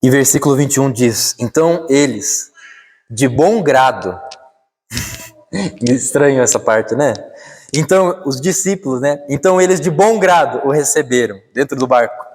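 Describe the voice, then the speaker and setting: Preaching a sermon, a man with a Brazilian Portuguese accent sinks into slow, quiet lines before rising to a high, urgent pitch. His delivery is expressive, and the recording has the sound of a large room.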